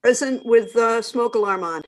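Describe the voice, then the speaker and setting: A woman's voice: on the high side, normal speed. Woman council member on a video call. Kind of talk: reciting the pledge in a meeting.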